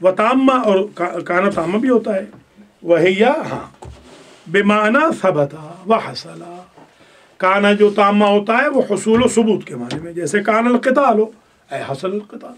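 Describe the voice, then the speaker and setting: A man with a notably high voice leads a religious grammar class. He explains patiently, then corrects his students sharply and firmly. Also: lively intonation, slight background noise. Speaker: religious studies teacher.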